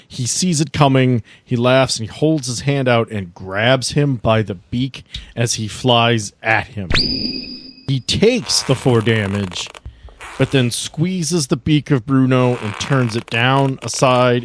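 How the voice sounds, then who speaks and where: A man's voice: mid-range voice, slow, slight background noise. A man running a tabletop game on a podcast, narrating the action and making rulings in a casual way. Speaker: game master of an actual-play podcast.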